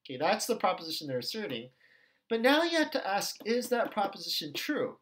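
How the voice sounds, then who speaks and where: A man's voice: sits high, big pitch swings, brisk, fairly bright tone. A man teaching an ethics lesson in a recorded lecture video, talking conversationally and checking in with "okay" and "right". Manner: acts out quoted questions with shifting tones.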